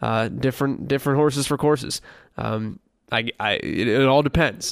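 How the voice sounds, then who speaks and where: The voice has vocal fry and an American accent, with ordinary pitch variation. It moves at a moderate pace on a very clean recording with a silent background. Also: man. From New Jersey. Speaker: podcast host, play-by-play broadcaster. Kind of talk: interview.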